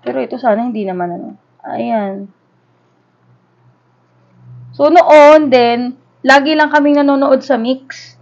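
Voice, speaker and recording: A Filipino woman in her thirties, her voice high-pitched and a little mellow, speaks a bit slowly with long pauses. She talks casually in Taglish, full of nostalgia, as she unboxes a collectible for her vlog. Everything sounds dull and lo-fi.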